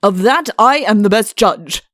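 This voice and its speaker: A woman's voice: mid-range voice, expressive, measured pace, a bit bright, no room sound, studio quality. A woman voicing a pompous, stern, irritable middle-aged king in a comic fairy-tale audiobook, with an imperious, curt manner. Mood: cold.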